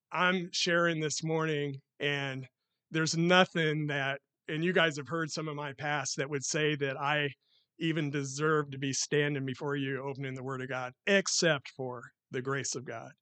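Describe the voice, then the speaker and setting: A man preaching to a small congregation on a microphone, loud and excited, reading scripture with rising force. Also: fairly high pitch, unhurried, no echo. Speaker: lay preacher. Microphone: handheld or stand mic.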